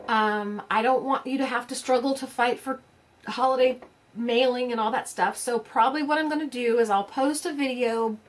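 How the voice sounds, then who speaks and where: Woman, 50s, casual vlog chat, rambling, fillers, slightly high. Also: moderate pace. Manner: chatty, rambling, many fillers and restarts. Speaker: crafting vlogger.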